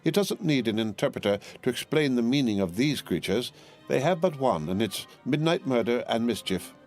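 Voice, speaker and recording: A man voicing a fussy, fiercely loyal middle-aged woman servant who talks brisk and emphatic. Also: mid-range voice, animated, a little mellow, faint music behind, voice pushed up, lightly acted.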